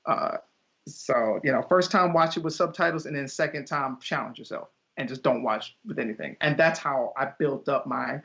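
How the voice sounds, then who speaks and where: A man's voice: medium pitch, moderate pace, creaky. A young man, a guest teacher, chatting casually in an interview and acting out quoted voices with laughs as he tells stories. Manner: animated storyteller, acts out quoted voices with laughs. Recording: dull lo-fi audio.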